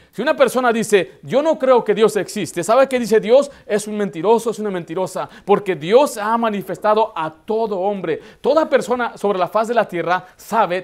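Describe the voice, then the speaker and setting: A male pastor preaching a sermon, posing questions to the congregation and answering them himself. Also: high voice. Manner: emphatic, asks rhetorical questions and answers them.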